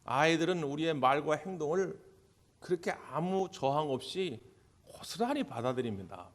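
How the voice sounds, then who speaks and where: A man's voice: on the high side, big pitch swings, normal speed. A male pastor preaching at a church service, telling stories, acting out the people in them, and putting questions to the congregation. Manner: storytelling, acting out quoted voices. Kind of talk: sermon.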